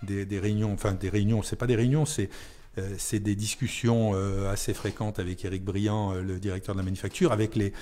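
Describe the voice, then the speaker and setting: A man's voice: lowish voice, little pitch movement, a little fast, dark tone, a little hiss or hum. A man speaking as a town mayor in an unscripted radio interview, hesitating and repeating words as he searches for phrasing.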